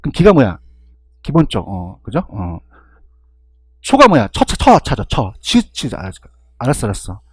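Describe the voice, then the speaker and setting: A man with a husky voice giving an exam-review lecture, constantly firing rhetorical questions and checking in with his students. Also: medium pitch, wildly swooping pitch, normal speed, dry recording, clean studio sound.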